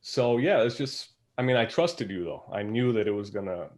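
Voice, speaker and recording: A man's voice: fairly low pitch, animated, normal speed. A man, an actor on a panel, speaking in a casual, reflective and informal way.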